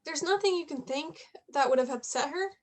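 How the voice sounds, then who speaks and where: A woman's voice: high-pitched, a little fast, lightly acted. A woman playing a playful, persistent eighteen-year-old journalism student in a play reading, chatty and probing. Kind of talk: staged reading of a play, naturalistic dialogue.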